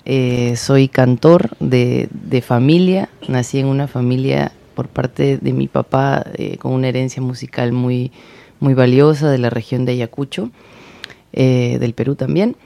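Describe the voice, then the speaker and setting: Gravelly, flat-voiced Peruvian trans guest. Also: medium pitch. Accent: Peruvian Spanish. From Peru. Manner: soft, halting, with many pauses. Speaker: singer-songwriter guest. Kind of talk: radio introduction and song intro.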